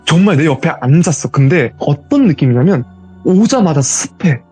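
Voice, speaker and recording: A man telling his own ghost story as a guest, in a casual, animated retelling. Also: on the high side, normal speed, slightly rough, faint music behind.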